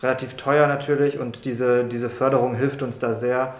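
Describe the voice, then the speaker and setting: A man's voice: medium pitch, little pitch movement, normal speed, reverberant. A young man from Brussels, a medical student answering interview questions earnestly and often repeating words. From Brussels, Belgium. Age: young adult. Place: room in a doctor's practice.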